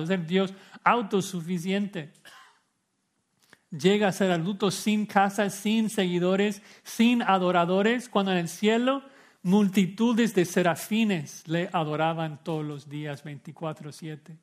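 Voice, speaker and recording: A man's voice: sits high, fairly even intonation, a little slow. A male pastor preaching an expository sermon with emphasis, rhetorical questions and repeated phrases.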